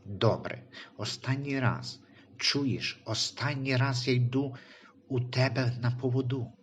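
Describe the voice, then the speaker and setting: A man's voice: mid-range voice, unhurried, slight background noise, lightly acted. A man reading a worried, weary husband.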